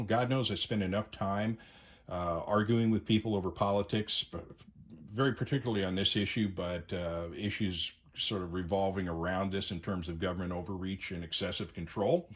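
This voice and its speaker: A middle-aged man with an American accent speaks in a fairly low voice, as a video host talking off the cuff. He shares his opinions conversationally, pausing often as he finds his phrasing. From United States. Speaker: YouTube host, amateur radio enthusiast. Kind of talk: unscripted opinion monologue to viewers.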